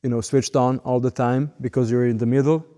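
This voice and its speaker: A man in his late thirties with a Serbian accent, speaking as an interviewed musician in short, deliberate phrases. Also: medium pitch, steady tone, warm tone. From Belgrade, Serbia. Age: late 30s. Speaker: professional orchestral violinist being interviewed. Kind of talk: interview monologue. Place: large recording hall. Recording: long hall reverb.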